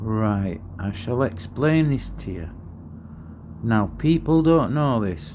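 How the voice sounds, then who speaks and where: A man's fairly low voice in a room with audible echo, very slow and full of very wide pitch swings. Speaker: conspiracy commentator. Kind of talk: monologue to camera.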